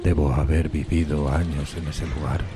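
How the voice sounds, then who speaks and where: An actor playing a tormented, solitary outcast in a gothic horror audiodrama, speaking in a brooding, solemn, halting dramatic way. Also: male voice, extremely low pitch, steady tone, heavy background noise. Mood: desolate, brooding. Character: tormented solitary outcast man recalling a decayed gothic castle. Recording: music bed behind the voice.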